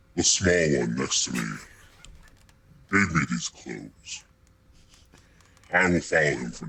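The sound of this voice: Raspy, very deep and low put-on character voice from a man, with a menacing tone and long, frequent pauses. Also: moderate pace.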